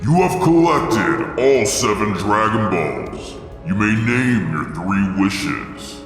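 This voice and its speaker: A man voicing a mighty, solemn dragon who grants wishes, speaking slowly and ceremonially in a gravelly, booming voice for a manga story. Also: sing-song, very echoey, in a large hall, full character voice. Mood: solemn, imposing. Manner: slow, ceremonial. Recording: loud music under the voice.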